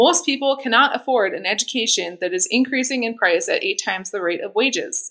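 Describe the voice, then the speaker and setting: Over a quiet background, a woman with an American accent talks at a fairly quick pace with hardly any pauses, her high pitch swinging very widely in a bright, sharp tone. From northern Wisconsin. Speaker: university student. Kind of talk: prepared speech. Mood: earnest, persuasive. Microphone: webcam.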